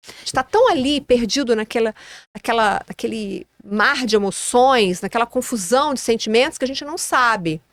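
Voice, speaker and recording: A woman's voice: on the high side, lively intonation, normal speed, fairly bright tone, no room sound, clean studio sound. A woman co-hosting a casual podcast, explaining ideas in a reflective way and often restarting her phrases. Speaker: podcast co-host.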